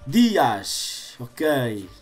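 A man in his twenties with a European Portuguese accent and a slightly stuffy nose, doing excitable gaming commentary for his viewers. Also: mid-range voice, drawn-out words. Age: 20s. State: slightly congested from a cold. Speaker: gaming YouTuber. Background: game music.

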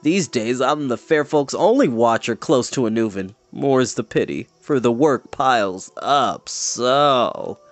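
A man plays a gloomy little fairy creature from a fantasy storybook. He complains mournfully, drawing out words in weary sighs, with pitch that rises and falls a lot. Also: lively intonation, dry recording, faint music behind, close to an everyday voice. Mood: anxious, mournful. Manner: drawn-out sighing, mournful, hesitant. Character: melancholy, whining, fretful fairy-folk creature, endlessly gloomy.

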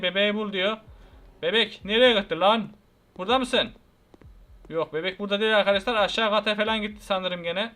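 A young man from Turkey giving chatty let's-play commentary on a horror game, talking to his viewers and crying out loudly at the scares. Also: high voice. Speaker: gaming channel host.

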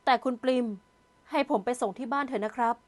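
A woman's voice: a little high, fast talker, no echo, close to an everyday voice. A woman doing a shy, courteous young man. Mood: gentle polite. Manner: polite and hesitant. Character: kindly, awkward young man, gentle and courteous.

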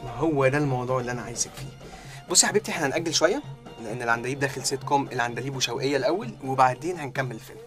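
An actor as a rapid-talking impulsive husband. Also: male voice, mid-range voice, over music, close to an everyday voice. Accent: Egyptian. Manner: rapid, swings from shouting to muttering. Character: impulsive husband in a comedy film.

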